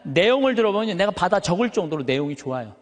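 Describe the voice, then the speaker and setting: A man's voice: big pitch swings, fast talker. A man, a Catholic priest with a thick, carrying voice, preaching emphatically to a live audience with rhetorical questions. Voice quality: high but thick, full voice that carries. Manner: emphatic, uses rhetorical questions and stretched words for effect. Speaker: Catholic priest giving a lecture. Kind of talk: animated motivational sermon to a live audience. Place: large hall, speaking to an audience. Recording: reverberant hall.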